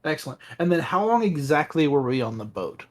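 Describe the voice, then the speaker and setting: A tabletop game player asking brisk, detail-checking questions in a casual chat. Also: mid-range voice, very animated.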